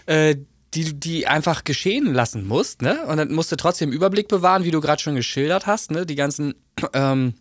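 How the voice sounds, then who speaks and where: A man's voice: on the high side, animated, fairly quick, dry recording, studio quality. Man in casual podcast chat. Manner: hesitant, many fillers. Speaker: podcast co-host; sound engineer.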